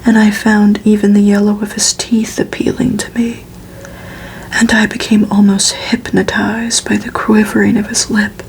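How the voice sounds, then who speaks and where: A woman softly reading fiction aloud for ASMR in a breathy, unhurried whisper. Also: mid-range voice, flat delivery, slight background noise, poor audio. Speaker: ASMR reader.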